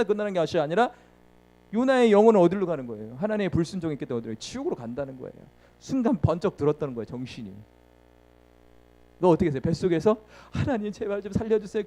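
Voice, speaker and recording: Preaching a sermon, a man speaks in a voice that sits high with a darkish tone. He asks the congregation questions and answers them himself, acting out the story with sound words and frequent laughter.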